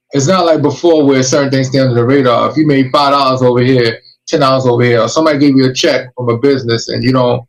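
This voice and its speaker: A man's voice: medium pitch, rough recording. A man hosting a podcast, giving emphatic, streetwise warnings and advice in casual chat. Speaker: podcast host.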